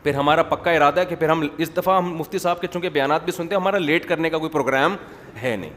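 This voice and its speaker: Young woman, mock-serious and casual, put on by a male preacher; low-key, hushed delivery. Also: long reverb tail, a little hiss or hum, lightly acted. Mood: feigned nonchalance. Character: young woman student, coyly playing it cool.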